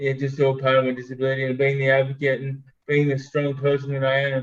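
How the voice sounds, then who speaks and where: A somewhat breathy man's voice, fairly high in pitch, at a fairly quick pace. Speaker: brain injury advocate and speaker. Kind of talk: casual interview chat. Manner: casual, filler-heavy (like, um).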